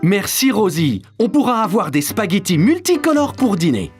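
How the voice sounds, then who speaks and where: A man's voice: high-pitched, very animated, normal speed, darkish tone, faint music behind. An actor voicing a kind, cheerful cartoon father who speaks patiently and playfully.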